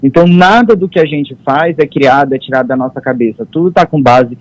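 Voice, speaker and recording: A man's voice: mid-range voice, fairly quick, low-quality recording. A man commenting on politics on a news show, speaking firmly and stressing his points by repeating them. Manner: firm, emphatic and repetitive. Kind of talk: studio commentary.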